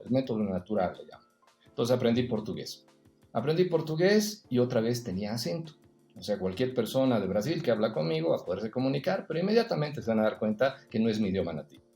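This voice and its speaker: A man speaking as a podcast guest in an unhurried, reflective way, filling pauses with "eh" and checking in with a tag question. His voice sits at an ordinary middle pitch. The recording has a noticeable roomy echo. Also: dark tone. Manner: reflective, storytelling, frequent "eh" and tag "¿no?". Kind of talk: casual conversational interview.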